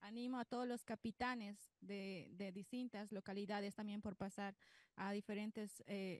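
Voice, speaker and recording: A woman speaks at a moderate pace with fairly even intonation, the sound dry with no echo. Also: quiet background. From Bolivia. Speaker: church volunteer captain. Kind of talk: testimony. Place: hall.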